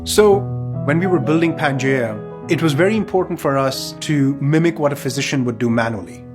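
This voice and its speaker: A man giving documentary interview testimony in a deliberate, explanatory way, posing questions and then answering them. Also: mid-range voice. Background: guitar music.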